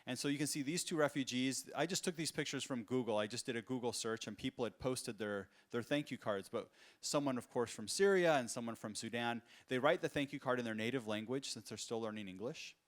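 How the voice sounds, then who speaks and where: A man's voice: medium pitch, a little fast. A man, an entrepreneur, giving an earnest conference talk full of personal stories, with frequent fillers and restarts. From United States. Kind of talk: conference keynote storytelling. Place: conference stage.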